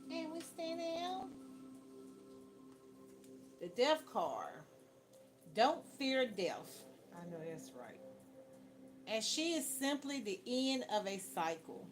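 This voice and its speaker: Woman reading tarot cards real slow, chatting about each one, music playing behind. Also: mid-range voice. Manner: chatty, reads card text aloud then reacts. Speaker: tarot card reader. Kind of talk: casual card reading with commentary. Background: background music.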